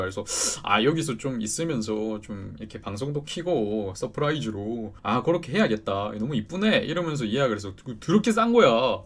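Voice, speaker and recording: A young man from South Korea casually telling his viewers a story, animated, with frequent laughter. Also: medium pitch. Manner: animated, with frequent laughter and sudden loud outbursts.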